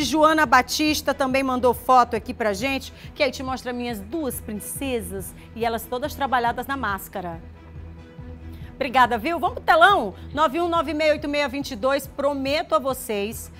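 A woman, presenting a live regional TV news show in a studio. She talks to viewers in a chatty, direct way, often checking in with "tá?" and greeting them by name. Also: high-pitched. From Maranhão, Brazil. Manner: reads viewer messages aloud, greeting them warmly by name.

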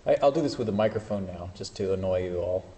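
Quick-paced and warm, a man with a low voice teaches an informal university class featuring live demos, catching his own mistakes and tossing off dry jokes. The lecture-hall recording is roomy with echo and carries a faint hiss.

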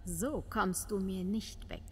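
An actress playing a shrewd, sardonic police pathologist in a crime radio play, teasing and probing. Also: female voice, medium pitch, slow, big-room sound, a little hiss or hum, close to an everyday voice. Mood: stern, probing. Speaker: actor in crime audio drama. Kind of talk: German crime audio drama acting.

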